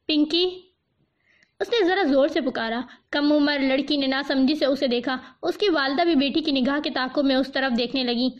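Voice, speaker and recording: A woman narrating a novel as an audiobook in a steady, expressive reading voice, on a dull lo-fi recording. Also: sits high, hardly any pauses.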